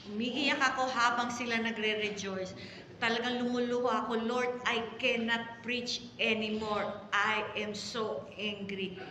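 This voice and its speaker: A middle-aged Filipino woman pastor preaching a story-filled sermon, with sudden loud exclamations and drawn-out emphasis. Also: medium pitch. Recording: echoey hall reverb, faint background noise.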